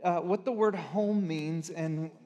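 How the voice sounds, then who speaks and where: A man's voice: fairly high pitch, slow, darkish tone. A man, a pastor, opening a church service and introducing a guest in a friendly, upbeat way. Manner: upbeat and friendly, addressing the congregation. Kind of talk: sermon introduction. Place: church sanctuary. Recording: church hall reverb.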